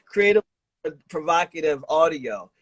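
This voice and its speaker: A man's voice: fairly high pitch, lively intonation, a little slow, fairly bright tone, no room sound. A man hosting a casual remote interview, speaking in a slangy, encouraging and affirming way over an online call. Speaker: podcast host and interviewer. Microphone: remote video call.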